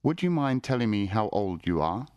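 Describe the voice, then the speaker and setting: A man reads model phrases for a language lesson. His voice is slightly low and recorded dry, with a scripted drill delivery. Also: very animated, moderate pace, darkish tone, clear, resonant tone, no echo. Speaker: language course reader.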